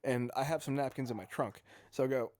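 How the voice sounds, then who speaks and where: A man's voice: medium pitch, a little fast, a little mellow. A young man, a podcast co-host, telling a long story about an unhelpful friend in an exasperated way, swearing freely. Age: young adult. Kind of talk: casual storytelling chat.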